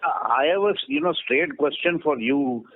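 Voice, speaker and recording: An Indian man calling in as an investor, putting a blunt question in a halting way on a conference call. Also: a little high, lively intonation. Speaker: investor caller asking a question. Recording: narrow, dry phone line.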